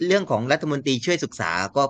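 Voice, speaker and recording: A man talking politics in a casual chat, animated and laughing often. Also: fairly high pitch, fast talker, no room sound. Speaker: political commentator.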